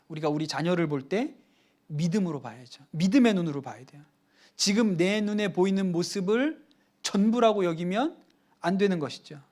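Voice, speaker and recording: A man's voice: fairly high pitch, darkish tone. A middle-aged man preaching a sermon as pastor, earnest and emphatic, acting out quoted dialogue.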